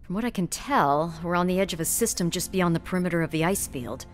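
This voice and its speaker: A woman's voice: lowish voice, fast, faint music behind, close to an everyday voice. A woman acting an alert, businesslike starship navigator in a sci-fi audio drama, with clipped technical delivery.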